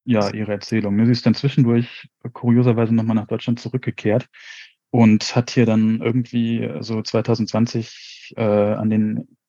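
A man's voice: lowish voice, little pitch movement, normal speed, warm tone, no room sound, highs cut off. A man co-hosting a podcast discussion, talking hesitantly and hedging with many fillers. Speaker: podcast co-host.

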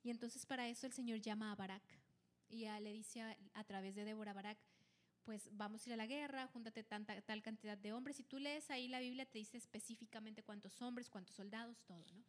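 A woman co-hosting a podcast, retelling a Bible story in casual chat with lively delivery and frequent restarts. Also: fairly high pitch, brisk. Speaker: podcast co-host.

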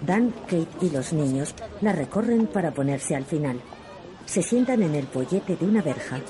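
A woman giving calm, neutral audio description of a film scene. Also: sits low, moderate pace, crowd noise. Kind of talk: scripted audio description narration.

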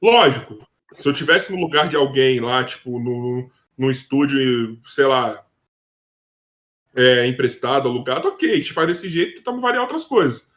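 A man's voice: medium pitch, lively intonation, normal speed, fairly bright tone. A man with a Brazilian Portuguese accent chatting casually on a podcast, informal and slangy, swearing and repeating words.

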